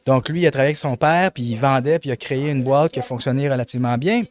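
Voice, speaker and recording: A middle-aged man from Montreal with a Québécois accent, telling his story as an interview guest, animated and full of fillers and repeated words. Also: mid-range voice, very fast. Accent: Québécois French. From Montreal, Quebec. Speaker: guest, company president.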